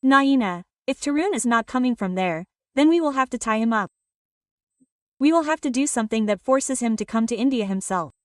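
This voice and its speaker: A woman's voice: on the high side, expressive, a little fast, dry recording, lightly acted. A woman reading a sarcastic scheming aunt. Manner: sarcastic, cold. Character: scheming bitter middle-aged aunt, sarcastic. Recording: slightly distant, dry recording.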